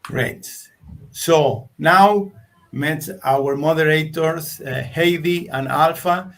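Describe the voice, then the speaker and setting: A man's voice: a little high, slow pace. A man from Argentina co-presenting a tech webinar, hesitant and full of fillers and repeated words.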